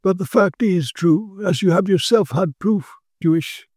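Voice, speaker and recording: A man voicing a commanding, grave male occult detective who explains dark matters with authority. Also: sits high, measured pace, breathy edge, no echo, clean studio sound, voice pushed up. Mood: lecturing.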